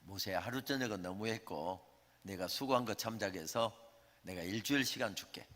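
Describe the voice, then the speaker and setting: A man's voice: lowish voice, moderate pace, fairly bright tone, pitched below the performer's own voice. A man, preaching, voices God as a firm, wry divine figure laying down terms, in a reverberant church sanctuary.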